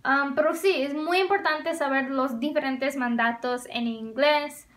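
High-voiced woman teaching slowly. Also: fairly bright tone. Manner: slow, careful explaining with frequent check-ins; mixes Spanish and English mid-sentence. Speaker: English teacher. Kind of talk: bilingual language lesson.

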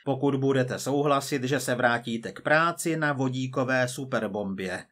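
A man's voice: medium pitch, a bit bright, close to an everyday voice. A man doing a cool, menacing future agent. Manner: coolly menacing, measured. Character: cold persistent male agent from the future.

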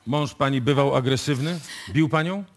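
An actor in a live radio play playing a skeptical, politely persistent police investigator who questions haltingly. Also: male voice, medium pitch, lightly acted. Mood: probing. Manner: hesitant, polite, insistent questioning.

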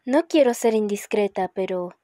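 A woman's voice: medium pitch, lively intonation, moderate pace, noisy background, lightly acted. A woman voicing a polite, tactful young female cat in a cartoon, speaking hesitantly. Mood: hesitant, concerned.

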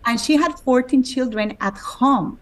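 A woman's voice: high voice, a little slow. Costa Rican woman telling her story. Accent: Costa Rican Spanish. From Costa Rica. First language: Spanish. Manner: warm, storytelling, slightly imperfect English. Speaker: guest. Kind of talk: interview testimony. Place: bright home room. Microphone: webcam video call.

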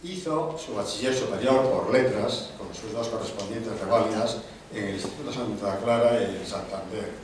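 A man's voice: lowish voice, far from the mic, slight background noise. Middle-aged man hosting in a very echoey hall. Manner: reads a long biography in measured lists, with small hesitations and restarts. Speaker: event host presenting an author. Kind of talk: formal introduction at a book launch. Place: large conference room, seated at a panel table. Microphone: table microphone.

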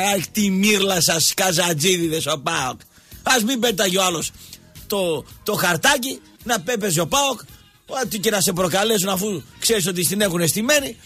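A man hosting a sports talk show, ranting sarcastically and mocking people, going from loud outbursts to low muttering. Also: slightly rough. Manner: sarcastic, mocking, switches between shouting and muttering. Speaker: radio sports talk host. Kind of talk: ranting monologue.

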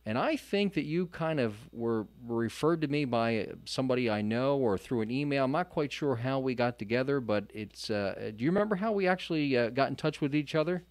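A man's voice: mid-range voice, expressive, fairly quick, hardly any pauses, dry recording. A man hosting a Christian radio talk show, earnest and a little rambling, often restarting his sentences. His voice sits in a middle register and sounds close and dry, with no room around it. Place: radio studio.

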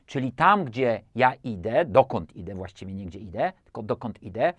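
Lively male tutor, dry close mic, English examples read slow and deliberate. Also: fairly low pitch, dry recording. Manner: slow, deliberate English example sentences between quick Polish explanations. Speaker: English teacher. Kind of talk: language lesson explaining word meanings.

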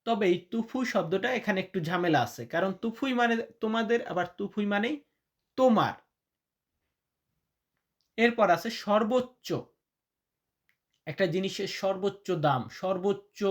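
Slow, repetitive male language tutor. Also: high voice. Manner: repeats each word slowly and deliberately; chatty, addresses listeners as brother. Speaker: language teacher. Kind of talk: vocabulary lesson.

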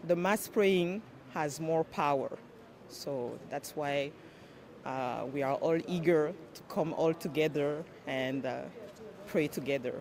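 A woman from West Africa speaking slowly and earnestly in a street interview at a celebration. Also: low-pitched, darkish tone. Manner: slow, thoughtful, earnest. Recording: noisy outdoor field recording.

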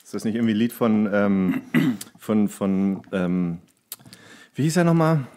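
A man's voice: fairly low pitch, unhurried, warm tone. A man co-hosting a casual podcast in joking banter, his speech chewy as if his mouth is full. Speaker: podcast co-host.

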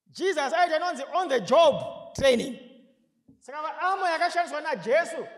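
A Zimbabwean man in his thirties preaches to a seated congregation, his voice pitched very high as he swings up into emphatic shouts and questions the crowd. He speaks into a podium microphone, and his voice carries a long reverb from the large hall. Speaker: pastor. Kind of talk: sermon mixing Shona and English.

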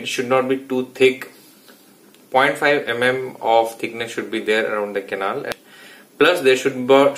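An Indian man in his thirties talks through clinical steps in a plain, mid-pitched voice. He explains as a dentist in an informal teaching vlog, often restarting his sentences. He is recorded close up in a small clinic room. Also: a bit bright. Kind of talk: instructional vlog.

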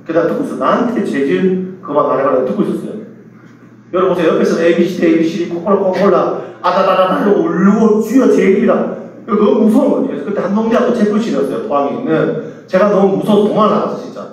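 High-voiced man preaching in echoey hall. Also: very fast, far from the mic. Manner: animated storytelling, mimicking voices. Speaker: pastor. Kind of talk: sermon to a youth retreat. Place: large church hall.

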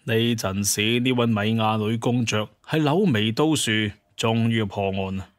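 A man's voice: lowish voice, a little slow. A man with a Cantonese accent narrates a scripted, dramatized adventure story. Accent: Hong Kong or Guangdong Cantonese. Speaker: audiobook narrator.

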